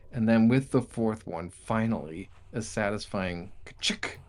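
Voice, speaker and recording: A man acting as game master, narrating a tabletop game in a relaxed way and thinking aloud as he checks dice rolls over an online call. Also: fairly low pitch, unhurried.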